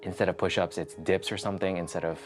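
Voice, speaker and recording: A man's voice: sits low, fairly even intonation, quick pace, music in the background. A man hosting a fitness vlog, chatting casually and thinking aloud in a rambling way. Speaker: host of a fitness challenge vlog. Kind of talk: casual chat to the viewer.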